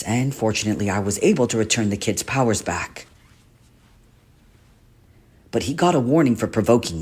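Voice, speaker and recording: A man playing a gentle guardian teacher haunted by his past in a dramatic monologue, with a husky, earnest, confiding delivery. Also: lowish voice. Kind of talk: dramatic character monologue for a voice reel.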